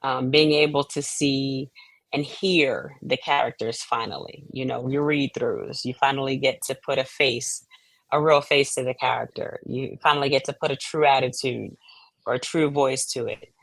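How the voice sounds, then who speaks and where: A woman's voice: very deep voice, fairly even intonation, normal speed, dry recording, low-quality recording. A middle-aged American woman answering interview questions as a guest in a reflective, explanatory way, often checking that she is understood. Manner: reflective, explanatory, often checks with "you know what I mean". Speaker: guest, playwright and stage director.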